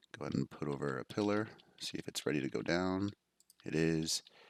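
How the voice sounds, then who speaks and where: A quiet man talks very fast in a very deep, low voice. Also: dry, close sound with no echo. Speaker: gaming youtuber. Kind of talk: tutorial. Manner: casual, animated.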